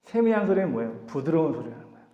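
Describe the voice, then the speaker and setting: A man preaching a sermon to a youth service, lively and acting out voices in dialogue. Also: fairly high pitch, rapid-fire. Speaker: youth pastor. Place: church sanctuary. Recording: echoey hall, dull lo-fi sound.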